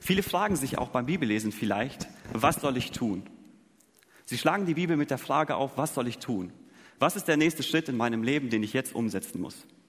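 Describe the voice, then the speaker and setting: Using a plain, everyday voice, a man talks at a fairly quick pace in a medium pitch with lively intonation. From Germany. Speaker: preacher. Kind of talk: sermon.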